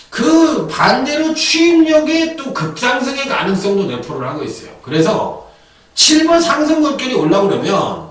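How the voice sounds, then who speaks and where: Animated male racing tipster, echoey room. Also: far from the mic. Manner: animated, lively pitch swings, chatty asides. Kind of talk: racing tips commentary.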